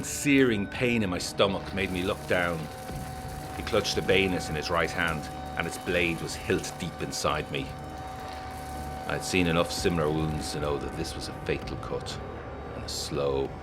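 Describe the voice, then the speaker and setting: In a gothic audio drama, an actor voices a haunted, introspective 1920s gentleman, once an army captain, reading a letter aloud. His low voice sounds formal, measured and grave, full of haunted dread, and loud music plays beneath him.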